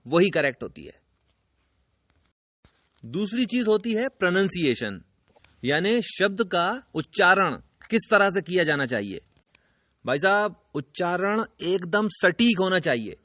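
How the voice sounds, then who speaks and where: Man, high voice, dry close sound; emphatic teacher lecturing straight to camera. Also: fairly bright tone, no echo. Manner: emphatic, lecturing, addresses viewer directly. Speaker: English teacher. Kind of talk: instructional video lesson.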